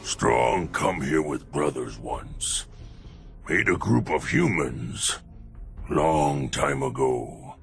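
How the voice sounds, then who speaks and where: Casting: huge simple-minded male mutant, gravel-throated, ponderously slow, blunt caveman phrasing, game dialogue. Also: a bass voice, animated, exaggerated voice. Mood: brooding, plain. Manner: blunt broken speech with dropped words. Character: hulking, brutish, simple-minded male super mutant warrior. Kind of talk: video game character acting.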